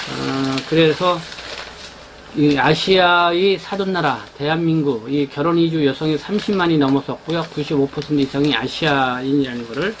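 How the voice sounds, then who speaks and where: Halting Korean man presenting a newspaper. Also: a little high, slight background noise, poor audio. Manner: halting, many fillers and restarts. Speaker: newspaper editor presenting the issue. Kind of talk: unscripted newspaper rundown.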